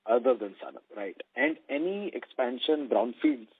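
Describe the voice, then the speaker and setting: A man's voice: medium pitch, expressive, normal speed, husky. A man, politely asking questions as an analyst on an earnings call. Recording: dry, narrowband telephone line.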